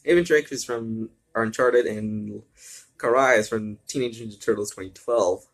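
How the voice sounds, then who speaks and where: Low-voiced man reading fan fiction aloud. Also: normal speed. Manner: stumbling over words and repeating phrases. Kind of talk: amateur story reading with casual asides.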